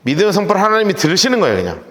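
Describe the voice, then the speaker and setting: Animated male preacher in a reverberant church. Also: high-pitched, racing. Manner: animated, emphatic, acts out voices. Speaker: pastor. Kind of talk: sermon. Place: church sanctuary. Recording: echoey church hall.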